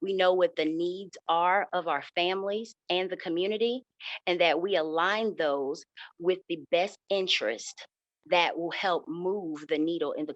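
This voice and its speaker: A woman answering candidate questions in a formal, measured way, repeating set phrases. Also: deep voice, no room sound, muffled recording. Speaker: board candidate.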